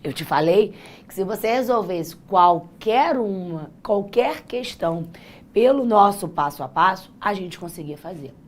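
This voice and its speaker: A Brazilian woman with a naturally husky, hoarse voice, teaching a live online exam-prep class in an informal, encouraging, chatty way. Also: medium pitch, animated, measured pace, a little mellow. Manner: chatty, encouraging, addresses students directly. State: hoarse, voice worn out. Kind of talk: live online lesson, informal pep talk.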